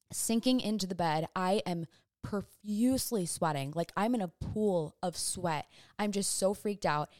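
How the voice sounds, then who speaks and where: A woman's voice: medium pitch, a little mellow, no echo, studio quality. Chatty young woman rambling storytime. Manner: chatty, rambling, sidetracks often. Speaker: vlogger. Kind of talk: casual storytime chat. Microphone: phone or camera on a stand.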